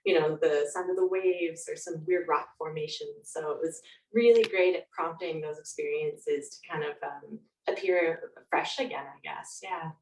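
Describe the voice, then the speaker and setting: A woman's voice: low-pitched, normal speed, a little mellow. A woman guest chatting casually and reflectively in an interview, telling stories in an informal way. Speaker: guest author. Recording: roomy echo, distant from mic.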